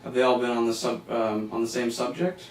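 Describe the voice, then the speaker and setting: A man's voice: mid-range voice, fairly even intonation, brisk, echoey room, far from the mic. A man hosting an interview, asking loose, friendly questions with frequent restarts. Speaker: interview host.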